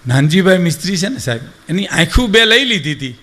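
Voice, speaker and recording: Older male folk raconteur, Saurashtra Gujarati accent, high-pitched and animated, plays the people he quotes. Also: fast talker, soft background music. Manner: animated, acts out quoted speakers, addresses audience as sir. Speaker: folk storyteller. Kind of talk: dayro storytelling to a live audience.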